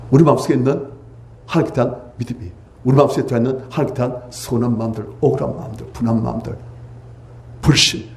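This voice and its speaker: A man preaching a revival sermon in a church, pleading loudly at times and dropping to hushed near-whispers at others. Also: medium pitch. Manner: impassioned, swings from loud pleading cries to hushed near-whispers. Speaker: pastor. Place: church sanctuary.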